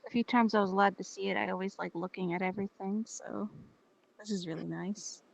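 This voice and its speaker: Woman playing a timid, creaky-voiced curious newcomer. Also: medium pitch, fairly even intonation, fairly quick, dry recording, rough recording. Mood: quietly wistful. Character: timid, curious lab-raised newcomer attached to pet mushrooms. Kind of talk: improvised in-character virtual-world roleplay chat.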